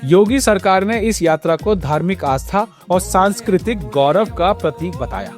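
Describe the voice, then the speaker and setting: A man's voice: high-pitched, moderate pace. A man narrating a scripted news report as a reporter, explaining and posing pointed questions. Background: background music.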